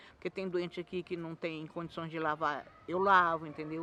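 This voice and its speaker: A man speaks at a moderate pace in a bright, sharp tone, the sound dry and close with no echo. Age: 60s. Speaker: person living with HIV, shelter volunteer. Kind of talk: documentary interview.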